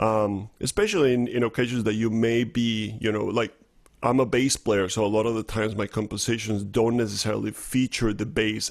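At a moderate pace, a man with a Spanish accent speaks at medium pitch with monotone, flat intonation. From Colombia. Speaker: jazz bass player and music educator. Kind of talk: online workshop lecture. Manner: halting, many fillers.

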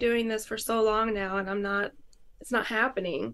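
Quiet background behind a woman with a fairly high pitch. She speaks with an upstate New York accent. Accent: upstate New York American. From upstate New York (Syracuse). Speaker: filmmaker and actress. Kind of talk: casual interview.

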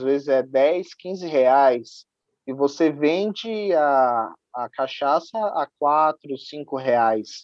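Speaking at a very slow pace, a man uses lively intonation and a fairly high pitch. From São Paulo, East Zone. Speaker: restaurant owner. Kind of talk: casual interview chat.

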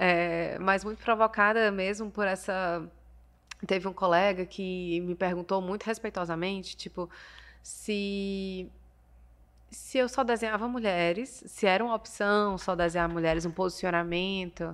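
A woman with an ordinary speaking voice, medium in pitch, at a fairly slow pace with fairly even intonation, over a quiet background. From Fortaleza, Ceará, Brazil. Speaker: visual artist. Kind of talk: interview.

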